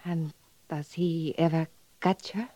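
An actress playing a young Native American woman in a radio drama, earnest and softly curious, speaking halting, simple, solemn broken English. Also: sits low, steady tone, dry recording. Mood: solemn, wistful. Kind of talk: 1950s radio drama acting. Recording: muffled vintage radio recording.

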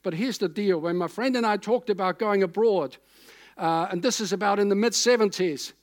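Male pastor, 60s, fairly high voice; conversational sermon delivery that rambles and repeats for emphasis. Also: normal speed. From Austria. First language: German.

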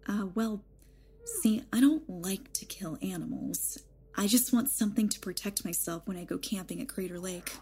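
A woman's voice: medium pitch, expressive, normal speed, warm tone, lightly acted. An actress in an audio drama playing a rejuvenated mother in a young woman's body, sardonic and defiant. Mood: coy, eager. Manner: sardonic, pointed.

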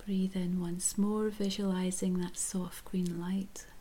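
A woman guiding a chakra meditation in a soft, gentle whisper. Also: lowish voice, flat delivery, takes it slowly. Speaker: meditation guide.

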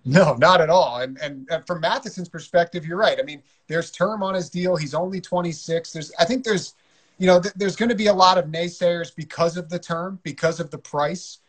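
Fairly high-voiced man hosting hockey talk. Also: normal speed, breathy edge. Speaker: podcast host. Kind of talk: casual hockey chat.

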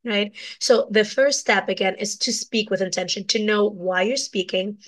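A woman with a hoarse, raspy voice from a cold, teaching communication skills alone in her office and checking in often with "right?". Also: medium pitch, moderate pace. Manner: asks "right?" after most points. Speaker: communication coach. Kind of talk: solo teaching talk.

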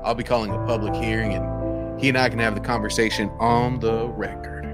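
Indignant committee chairman, acted by a man, lowish pitch, emphatic and combative, staged dramatic reading with music underneath. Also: flat delivery, brisk, natural voice. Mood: defiant. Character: indignant, defiant male Texas legislative committee chairman.

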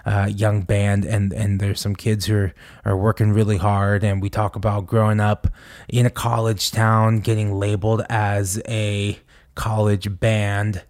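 Rambling low-voiced man, dry close mic. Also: level tone, darkish tone, dry recording. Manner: rambling, halting, many restarts and fillers. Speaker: podcast host and touring musician. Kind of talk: casual podcast monologue and interview.

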